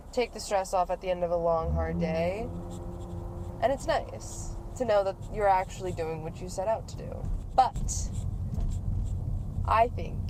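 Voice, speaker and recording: Playful woman podcasting over car noise. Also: lowish voice. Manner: playful, slangy, swears casually. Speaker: podcast host and ASMR creator. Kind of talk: casual podcast chat in a car. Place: inside a car on the road. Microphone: podcast microphones, portable. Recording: clear car and road noise.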